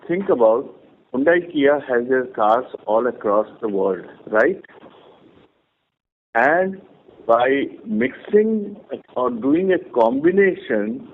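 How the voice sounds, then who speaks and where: A man, a company executive, explains his company's plans to analysts on an earnings call in a measured way with restarts. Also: mid-range voice, a little hiss or hum. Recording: tinny phone line.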